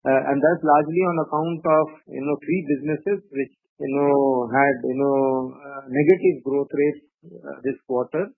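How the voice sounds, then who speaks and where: A man's voice: mid-range voice, steady tone, vocal fry, dry recording. Man on a tinny phone line. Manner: measured, frequent fillers like "uh" and "you know". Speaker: company executive presenting results. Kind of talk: earnings call presentation.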